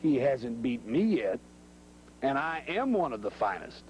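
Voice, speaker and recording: A man playing up a wrestling villain in a boastful interview promo, haughty and scornful, with deliberate emphasis. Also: mid-range voice, very animated, low-quality recording. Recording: old TV tape, faint hum.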